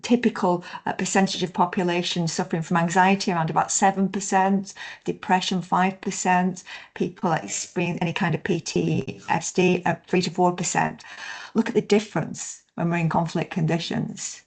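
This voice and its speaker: Woman trainer on a conference call, lowish. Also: moderate pace. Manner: steady explanatory delivery, frequent "yeah?" checks. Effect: voice over a video conference call. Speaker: workshop trainer. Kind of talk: online training session. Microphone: video call.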